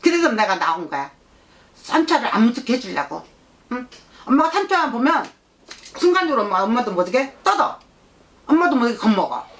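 Woman as a high-pitched, insistent child spirit. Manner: childish, insistent, repetitive, scolding with prompting questions. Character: blunt, childlike child spirit channeled by a shaman. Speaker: shaman fortune-teller. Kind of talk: shamanic consultation, speaking as a spirit.

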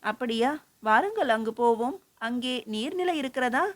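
A woman voicing an elderly male sage who questions gently but turns firm when he commands. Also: a little high, lively intonation, normal speed. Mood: gentle.

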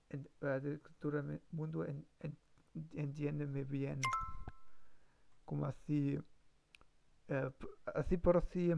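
A man's voice: fairly high pitch, creaky, darkish tone. A man practicing on a live stream, hesitant, full of fillers and self-corrections. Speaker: language learner streamer. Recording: dull lo-fi stream mic.

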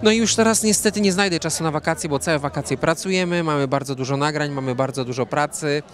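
A man's voice: a little high, fast talker. Man chatting at a gala. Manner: relaxed, rambling with many fillers and repeated words. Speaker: interview guest, fashion designer. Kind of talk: red-carpet interview. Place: outdoor evening gala. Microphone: handheld reporter mic.

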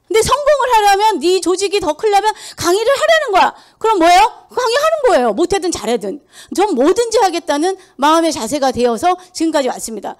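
A middle-aged woman delivers a motivational sales lecture with a high, bright voice that swoops up and down. She presses her points with rhetorical questions to the audience and mocks excuses in put-on voices. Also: big pitch swings, brisk, few pauses. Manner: acts out quoted excuses in mocking voices. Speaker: sales seminar speaker. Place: lecture hall.

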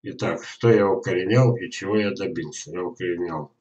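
An older man giving an informal instructional webinar talk, speaking haltingly with drawn-out words and pauses. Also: low voice, darkish tone, dull audio. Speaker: gardener presenting an online lesson. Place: indoors in a small dim room at a computer.

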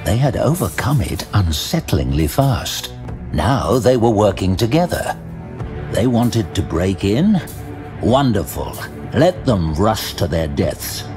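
A man reads dramatic fantasy narration over music. His delivery is slow and theatrical, with deliberate pauses. The pitch is fairly low but moves in lively, expressive sweeps. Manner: measured, theatrical storytelling with pauses. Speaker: audiobook narrator.

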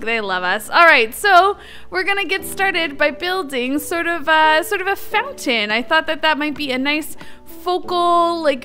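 A woman's voice: high-pitched, pushed and bright. A young woman giving casual, chatty gameplay commentary, upbeat and thinking aloud as she goes. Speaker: gaming video creator.

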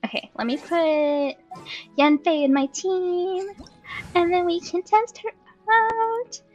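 High-pitched, excitable young-sounding woman gamer. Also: slow, dull audio, faint music behind. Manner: excitable, exclaiming, giggly, sing-song humming. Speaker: gaming video host. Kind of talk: casual gameplay chat.

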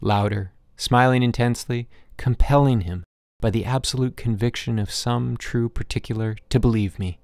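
Guy reading an audiobook story, lowish creaky voice, reflective, really dry sound. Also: steady tone, moderate pace, few pauses, darkish tone, no echo. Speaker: audiobook narrator. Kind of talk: scripted literary narration.

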